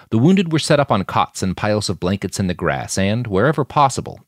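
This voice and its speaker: A man reading scripted audiobook narration in a measured storytelling way. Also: lowish voice, no room sound, clean studio sound.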